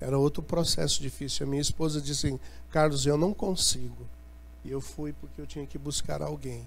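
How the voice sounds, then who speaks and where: A man talks at a fairly quick pace, with audible room echo around his voice. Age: 50s. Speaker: missionary. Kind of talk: missionary presentation.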